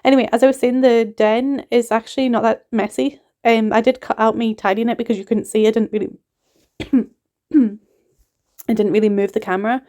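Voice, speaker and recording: A woman in her thirties chats casually in a voiceover for her cleaning vlog, her accent a mix of northeast English and Scottish. Her voice is a little high yet dark-toned, steady and at a normal speed. She rambles and laughs often.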